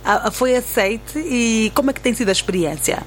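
A woman's voice: a little high, lively intonation, fairly quick, a little hiss or hum. A Mozambican woman with a Portuguese accent of her country, hosting a chatty live studio interview in an effusive, exclaiming manner. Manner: effusive, exclaiming, repeats the guest's answers. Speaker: radio host interviewing a guest. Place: radio studio.

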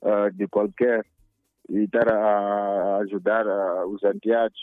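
A man's voice: lowish voice, level tone, takes it slowly, dry recording, phone-quality sound, faint music behind. A man chatting on a radio show, upbeat and laughing easily, with hesitant restarts. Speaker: radio guest. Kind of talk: casual radio chat.

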